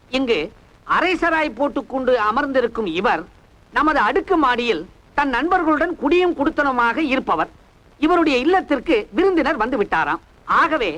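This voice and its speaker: An actor playing a pompous older professor who speaks in stiff, formal, bookish phrases in a film. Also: male voice, very high-pitched, bright, forceful tone, heavily acted, rough recording. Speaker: neighbour professor. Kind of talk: 1980s film acting.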